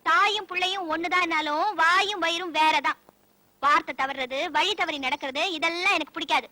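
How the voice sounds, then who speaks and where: Stern, scolding young bride. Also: female voice, extremely high pitch, fairly even intonation, moderate pace, bright, forceful tone, slight background noise. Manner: firm, lecturing, proverb-quoting. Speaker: film comedy character. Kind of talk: 1990s Tamil film comedy acting.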